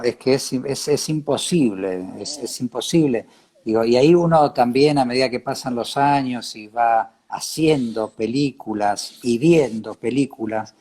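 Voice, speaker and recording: A man with a Córdoba Argentine accent speaks in a medium-pitched, darkish voice during a reflective interview. He hesitates and repeats words while searching for how to phrase things.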